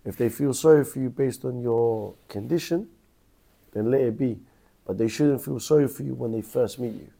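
A man's voice: mid-range voice, normal speed, gravelly, warm tone, low-quality recording. A man in his thirties from Iraq, earnestly telling his life story as an interview guest.

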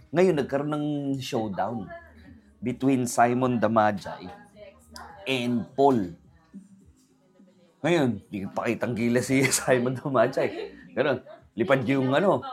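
A man telling a story in casual chat, rambling and animated, quoting voices as he goes. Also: mid-range voice. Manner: rambling, animated retelling with quoted voices and code-switching.

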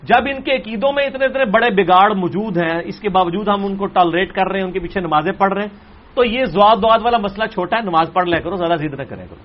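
During a religious lecture, a man with a high voice answers questions forcefully and with animation. He swings between loud emphasis on key points and quiet, low asides, and the recording sounds dull and lo-fi.

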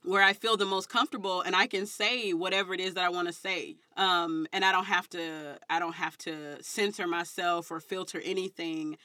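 Bright-voiced African American woman, animated and candid. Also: fairly low pitch, moderate pace, few pauses, no room sound. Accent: African American English, Southern US. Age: 30s. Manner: animated, emphatic, unfiltered slangy phrasing. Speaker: guest, English teacher. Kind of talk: candid conversational interview.

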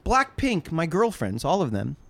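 An interview host chats in a loose, talkative way, the pitch leaping up and down on words they want to stress. The voice sits mid-range, and the delivery runs quick and unpolished, with restarts along the way. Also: gravelly, no room sound. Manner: chatty, lively intonation with big pitch swings. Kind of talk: casual interview chat.

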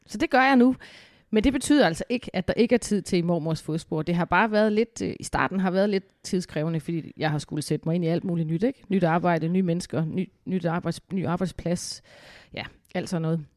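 A woman's voice: lowish voice, hardly any pauses, a little mellow, dry recording, clean studio sound. A woman co-hosting a podcast in casual chat, upbeat and rambling with fillers, with a cold, at home in a living room. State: has a cold. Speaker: podcast co-host.

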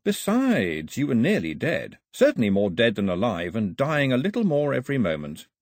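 Performed by a man, an ancient male spirit from a storybook, unhurried and gently mocking. The voice is husky, dry, and moves freely in pitch. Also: huge pitch swings, no echo. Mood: calm.

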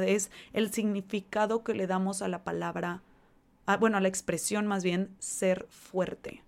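A woman hosting a podcast, talking earnestly and conversationally about emotions, with many casual fillers. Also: medium pitch. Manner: earnest, animated, conversational with fillers like "o sea" and "como que". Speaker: podcast host.

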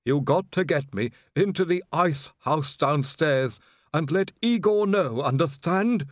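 Man doing a wounded servant, dialect speech, high strained voice, dry sound. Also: animated, measured pace, no room sound. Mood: urgent, fading. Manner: broken, working-class dialect speech. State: gravely wounded. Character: dying old male servant, dialect-speaking.

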